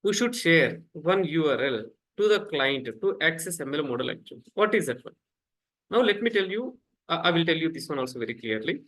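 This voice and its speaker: Man, online instructor, higher pitch, repetitive, call-and-response teaching over computer mic. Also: lively intonation, fairly quick, fairly bright tone, rough recording. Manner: repetitive, fillers like "actually", quizzes students. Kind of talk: live online lecture. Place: home, rain outside.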